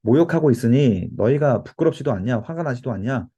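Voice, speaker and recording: A man's voice: mid-range voice, lively intonation, brisk, warm tone, slightly rough, dull audio. A man reading the lines of a boastful giant enemy warrior who taunts his foes. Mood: taunting. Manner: taunting, mocking.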